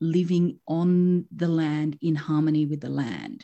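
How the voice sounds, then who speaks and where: A woman with an Australian accent and a dark, mellow tone. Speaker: visibility coach, school founder. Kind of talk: casual chat. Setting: video call.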